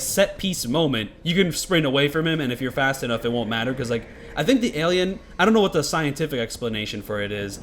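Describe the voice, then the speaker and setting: Fast, rambling male game commentator. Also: mid-range voice, slight background noise. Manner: rambling, loose and profane, heavy use of filler words. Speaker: gameplay commentator. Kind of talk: casual gameplay commentary.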